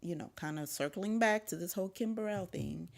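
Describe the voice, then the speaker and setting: A woman from Zambia talking in a casual chat as a podcast guest, emphatic and animated, with sudden high exclamations. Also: fairly quick, gravelly.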